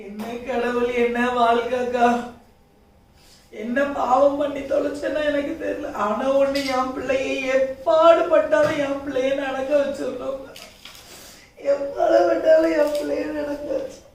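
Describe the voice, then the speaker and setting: A sorrowful, devoted mother played by a woman in a homemade drama, her voice high and given to tearful laments and tender cooing. She has a southern Tamil Nadu accent. The sound is very echoey and distant from the mic, with faint noise. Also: little pitch movement, unhurried. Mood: tearful despair.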